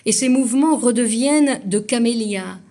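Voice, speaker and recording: A woman reading poetry aloud in a dramatic literary recitation, with measured, deliberate phrasing and pauses. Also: on the high side, dark tone. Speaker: poetry reader.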